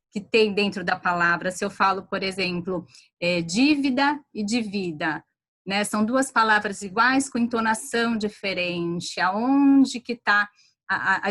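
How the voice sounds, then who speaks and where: Woman teacher, middle-pitched voice, explains stuff step by step, restarts a lot. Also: fairly bright tone. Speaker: literacy teacher guest. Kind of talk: explanatory live discussion.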